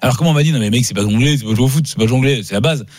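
A man, a former footballer guesting on a radio show, joking fast and making puns in casual banter. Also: medium pitch, a little mellow, no echo, clean studio sound. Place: radio studio.

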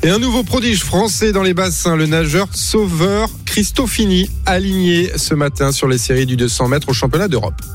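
A man presenting the news headlines on a morning radio show in a steady, read delivery. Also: high voice, normal speed, faint music behind.

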